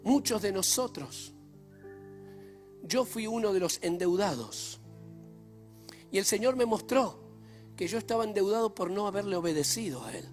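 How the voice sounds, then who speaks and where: High-voiced emphatic male preacher. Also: expressive, moderate pace, pauses often, soft background music. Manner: emphatic, swings between loud and hushed. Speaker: pastor. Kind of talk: sermon. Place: church.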